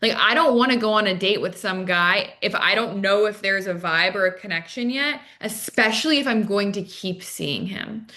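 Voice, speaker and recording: A woman's voice: medium pitch, moderate pace, few pauses, sharp tone. A woman speaking as a coach and interview guest, explaining casually and acting out little quoted exchanges. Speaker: dating coach, podcast guest. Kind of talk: conversational advice and anecdotes.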